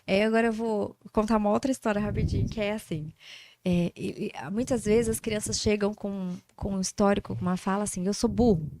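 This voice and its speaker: A woman, a speech therapist speaking as a podcast guest in a lively storytelling manner, acting out dialogue as she talks. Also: medium pitch, a little fast. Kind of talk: casual podcast interview.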